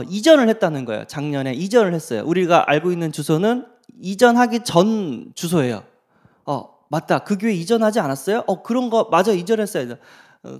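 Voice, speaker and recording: A middle-aged male preacher recounts personal stories in an animated way. His voice sits a little high and swings widely in pitch. He often throws rhetorical questions to his listeners. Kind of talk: sermon storytelling.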